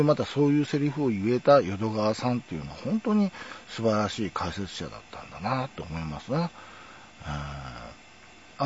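A middle-aged man with a Kansai accent rambles through a casual monologue, his low voice swooping up and down. He drifts between thoughts and chuckles as he goes. The recording sounds dull and lo-fi. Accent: Kansai Japanese. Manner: rambling, reminiscing, chuckling asides.

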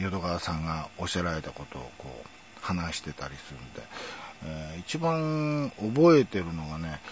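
Middle-aged Kansai man, low voice with a very lively pitch, rambling chatty monologue, muffled lo-fi audio. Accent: Kansai Japanese. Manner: rambling, reminiscing, chuckling asides. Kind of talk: casual monologue. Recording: dull lo-fi recording.

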